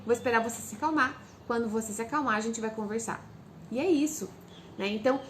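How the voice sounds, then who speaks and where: A woman giving direct parenting advice. She asks parents questions and answers them herself, and she acts out calm lines a parent might say to a child. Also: high-pitched, slight background noise. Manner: speaks straight to parents, asks and answers her own questions. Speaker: parenting educator.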